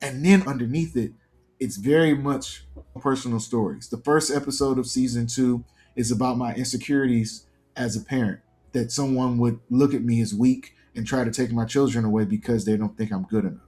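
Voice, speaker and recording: Fairly quick and darkish in tone at medium pitch, this early-forties man speaks as a guest on a conversational interview. He creates fiction podcasts and gives earnest, thoughtful, detailed explanations.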